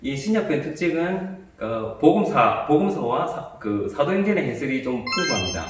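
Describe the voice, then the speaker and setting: A man, a priest, calmly explaining a bible commentary and how to meditate with it, with small restarts. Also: on the high side, moderate pace, very echoey, far from the mic, soft background music.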